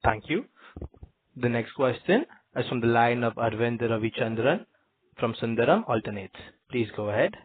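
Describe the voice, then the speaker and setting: A man's voice: medium pitch, expressive, moderate pace, husky. Polite male call operator. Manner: formal, polite. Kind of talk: call moderation. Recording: tinny phone line.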